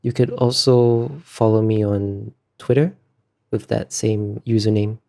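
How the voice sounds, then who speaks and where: Low, creaky-voiced man, halting and self-deprecating. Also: little pitch movement, a little mellow. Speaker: interview guest, concept artist. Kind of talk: casual interview answers.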